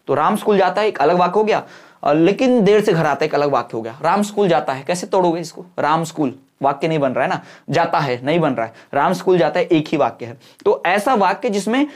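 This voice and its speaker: Male tutor, exam-prep lecture; patient, repeats checks for understanding, reads English lines slowly. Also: on the high side, lively intonation. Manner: explains patiently, keeps checking in with students; mixes Hindi with slowly read English sentences. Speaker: teacher.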